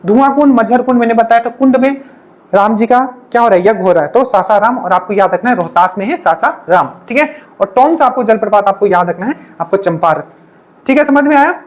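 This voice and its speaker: A woman leads an exam-prep lesson, drilling each memory trick over and over and repeatedly checking in with the class through frequent asides. Her voice is a little high and animated, and she speaks fairly quickly.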